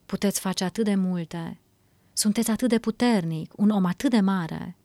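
An earnest young man pleads and begs for help, as a woman reads him in her own voice. The voice is dry and close, with no room echo, and the pitch is ordinary. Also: dark tone, close to an everyday voice. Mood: pleading.

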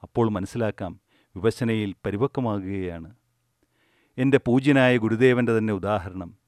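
Calm man giving a dry, close spiritual talk. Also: lowish voice, a little slow, dry recording. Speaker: meditation teacher. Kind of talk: spiritual discourse.

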